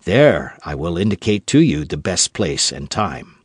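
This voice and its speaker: A man voicing a suave, cool-headed young musketeer with a churchman's calm, talking low and measured with a dry, mocking edge. His phrasing still rises and falls widely, read on a dry, close mic. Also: breathy edge, no echo, full character voice. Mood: wry, composed. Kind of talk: audiobook character voice.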